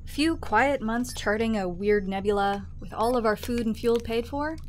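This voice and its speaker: Woman acting wry, dry starship captain, high-pitched voice. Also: moderate pace, a little hiss or hum, lightly acted. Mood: relaxed, wistful. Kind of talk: audio drama acting.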